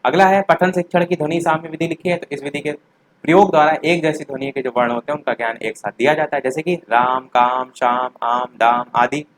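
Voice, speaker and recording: A man's voice: fairly high pitch, fairly even intonation, a little fast, slight background noise, rough recording. A young man teaching a revision lesson for a teaching exam, explaining each answer plainly, talking straight to the students and repeating the key points.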